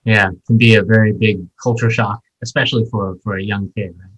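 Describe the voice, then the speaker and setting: A man's voice: fairly low pitch, fairly even intonation, fairly quick, fairly bright tone, breathy edge, lo-fi sound. A man hosting a podcast interview, introducing a guest and asking questions in an enthusiastic, chatty way with fillers. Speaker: podcast host.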